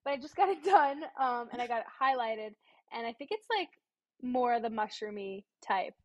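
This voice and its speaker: A woman's voice: fairly high pitch, lively intonation, moderate pace, dry recording, dull audio. A young woman in her twenties, a singer guesting on a podcast, chatting in a bubbly, giggly way. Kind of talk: casual chat.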